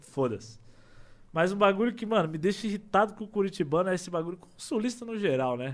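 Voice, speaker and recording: Very wide pitch swings run through this man's fairly quick speech. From Brazil, Ceará (near Fortaleza). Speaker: streamer and gamer. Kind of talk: casual chat. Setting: studio.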